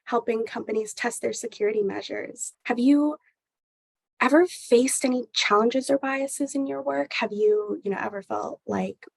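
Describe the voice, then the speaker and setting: A woman's voice: fairly high pitch, moderate pace, creaky, slightly rough, dry recording. A woman hosting an interview podcast, asking questions in a hesitant way with many fillers.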